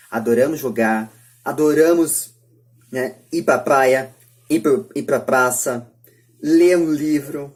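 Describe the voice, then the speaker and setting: A man with a Brazilian accent and a husky voice, speaking earnestly in short repeated phrases in a casual podcast. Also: mid-range voice, darkish tone. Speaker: podcast debate participant. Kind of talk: casual opinionated podcast talk.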